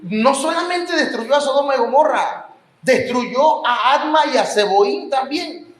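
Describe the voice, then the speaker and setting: A man's voice: very high voice, animated, unhurried, fairly bright tone. A man with a Mexican Spanish accent preaching a sermon in a church, with rising emphasis and the odd joke. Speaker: pastor. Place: church hall. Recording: echoey church hall.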